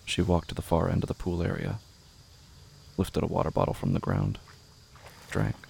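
A man reading scripted, literary narration for a horror audio drama in a measured, brooding way. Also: sits low, sing-song, creaky, a little mellow, a little hiss or hum.

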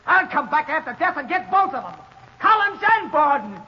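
A sneering condemned gangster. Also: male voice, very high voice, sing-song, normal speed. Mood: taunting. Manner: taunting, menacing threats. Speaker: condemned prisoner Ralph Gorman. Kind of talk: 1930s radio drama acting. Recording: dull old radio recording with hiss and echo.

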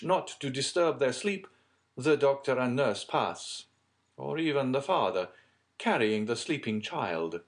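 A man voicing a suave middle-aged count from a storybook, speaking in a deliberate, dramatic and darkly insinuating way. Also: medium pitch, voice pushed up. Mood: smoothly suggestive.

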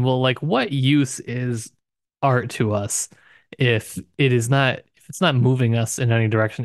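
A man's voice: medium pitch, no echo, clean studio sound. A man co-hosting a literary podcast in casual discussion, thinking aloud and rephrasing as he goes. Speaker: podcast co-host.

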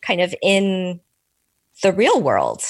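A middle-aged Korean American woman whose first language was Korean, answering interview questions as an author in a thoughtful, measured way. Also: fairly low pitch, huge pitch swings, dry recording. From Korean American, immigrated as an infant. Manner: thoughtful, measured, with soft laughs and restarts. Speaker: author and podcast guest.

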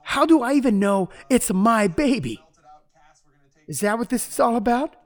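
A man's voice: very high-pitched, lively intonation, moderate pace, no echo. A man playing a volatile drinking husband. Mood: bitter. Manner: volatile, shifting between rage and pleading. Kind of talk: first-person story narration.

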